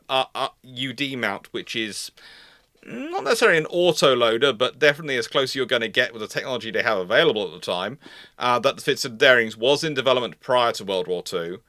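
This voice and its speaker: A man with a bright, forward voice hosts an unscripted question-and-answer session. He sounds close and dry, and he often breaks off to correct and rephrase himself as he explains. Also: medium pitch, no room sound. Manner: halting, self-correcting, rephrasing mid-sentence. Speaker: host of a naval history live Q&A. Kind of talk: unscripted live discussion, answering viewer questions.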